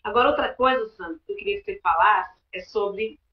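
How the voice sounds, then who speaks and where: A woman's voice: mid-range voice, fast. A woman teacher from Rio de Janeiro, with a Carioca accent, co-hosts a live video chat. She speaks in a hesitant, conversational way. Her voice comes through roomy and slightly dull. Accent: Carioca Portuguese. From Rio de Janeiro, Brazil. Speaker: teacher and co-host.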